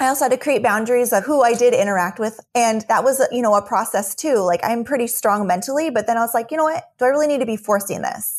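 Racing at a very fast pace with hardly any pauses, a woman speaks at a fairly high pitch with ordinary pitch variation. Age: 30s. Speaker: life coach and prison volunteer. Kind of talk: casual faith conversation.

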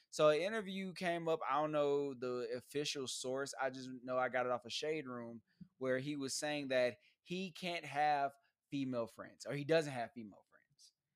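A man with a fairly high voice speaks at a moderate pace, showing ordinary pitch variation and big swings in loudness. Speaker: podcast host. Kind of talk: casual chat.

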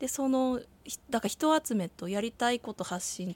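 At a fairly quick pace, a woman talks in a fairly high voice, the sound dry and close with no echo. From Hokkaido, Japan (Obihiro). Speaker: nonprofit founder and director in medical welfare support. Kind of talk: interview. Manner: hesitant, many fillers.

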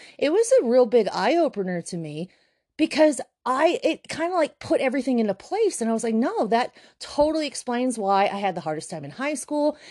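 A fairly quick voice with a dark, mellow tone and very wide pitch swings, in a dry, close sound with no echo and a quiet background. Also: woman, high pitch for a woman. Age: 30s. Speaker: podcast host and social media influencer. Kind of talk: casual monologue.

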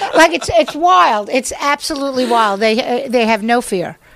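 A woman's voice with very wide pitch swings over noticeable background noise. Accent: New York. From New York, Brooklyn. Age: 60s. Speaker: stand-up comedian. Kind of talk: casual chat.

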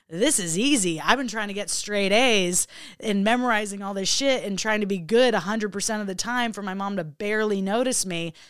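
A woman with a normal speaking voice, medium pitch and ordinary pitch variation, fairly quick with hardly any pauses, on a very clean recording with a silent background. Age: 30s. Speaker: comedian. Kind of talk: casual chat.

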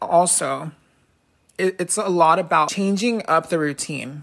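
A woman's plain, everyday voice, fairly low in pitch with ordinary pitch variation, at a fairly slow pace on a very clean recording with a silent background. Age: 20s. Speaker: solo podcaster. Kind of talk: casual monologue.

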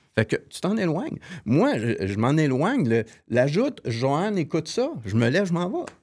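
A man speaks at a moderate pace in a fairly high pitch, his voice swinging very widely up and down. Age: 60s. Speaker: political commentator. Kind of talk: casual chat.

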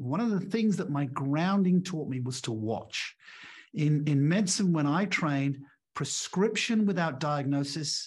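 Somewhat breathy and with lively intonation, a man speaks at a fairly high pitch over a quiet background. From England. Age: 60s. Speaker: leadership coach and author. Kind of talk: interview. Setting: video call.

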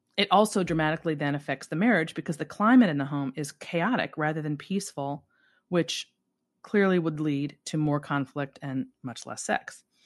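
Against a quiet background, a woman in a Midwestern American accent speaks at a moderate pace with very deep, low pitch and lively intonation. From US Midwest. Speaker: podcast host. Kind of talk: casual monologue.

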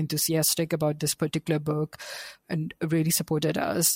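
A woman with an Indian accent and a very deep, low pitch talks at a fairly quick pace. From Kerala, southern India. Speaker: novelist. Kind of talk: interview.

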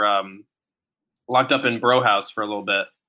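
A man with an American accent, bright and sharp in tone, at a fairly quick pace. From upstate New York. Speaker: comedy writer. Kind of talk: casual chat. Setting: live-streamed podcast recording.

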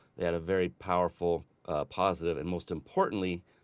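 A very deep, low-pitched man talks at a moderate pace. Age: 50s. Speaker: entrepreneur and author. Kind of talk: interview. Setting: remote call.

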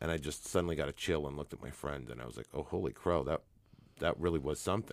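A man's very deep, low voice with vocal fry, fairly even intonation and a very fast pace. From Canada. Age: 40s. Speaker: bishop and hypnotherapist. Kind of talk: casual interview.

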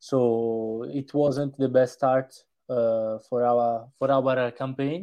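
Very slowly and with fairly even intonation, a man with an Italian accent speaks at a medium pitch. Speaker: football podcaster, Fiorentina fan. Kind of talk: casual interview. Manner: halting, hesitant.

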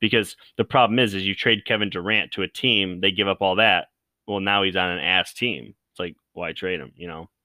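The voice has vocal fry and ordinary pitch variation, moving at a fairly quick pace. Its loudness swings widely. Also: man, very deep, low pitch for a man. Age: 30s. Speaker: sports podcast host. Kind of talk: casual solo Q and A podcast.

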